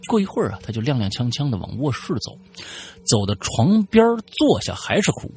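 A man's voice: mid-range voice, sing-song, fairly quick, a little hiss or hum. A man hosting a show, casually retelling a listener's ghost story with chatty asides and fillers. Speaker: host reading a listener's story.

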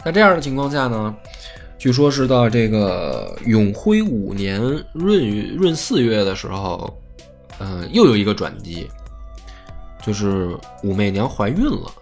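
Lively man telling history casually. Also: lowish voice, unhurried, soft background music. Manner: lively, acts out quotes in plain voice. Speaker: podcast host telling history. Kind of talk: casual storytelling chat.

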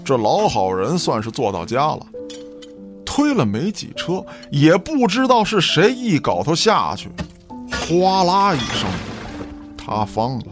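A man's voice: fairly high pitch, wildly swooping pitch, a little slow. A man narrating a scripted audio drama as a storyteller, in a dramatic reading style. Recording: background music under the voice.

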